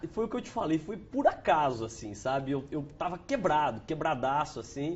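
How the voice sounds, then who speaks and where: A man talks at a fairly quick pace with a São Paulo interior accent. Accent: caipira (São Paulo countryside). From Brazil, São Paulo countryside (São João da Boa Vista). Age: 40s. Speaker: sales speaker and former executive. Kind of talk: interview (webinar). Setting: webinar. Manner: animated.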